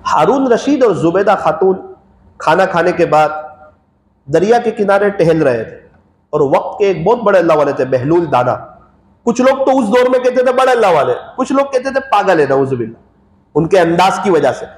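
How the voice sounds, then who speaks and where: High-voiced man preaching in an echoey room. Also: big pitch swings, moderate pace. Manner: tells a story, voicing its characters in quotes. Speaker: Islamic preacher. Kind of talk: sermon with storytelling. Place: religious gathering.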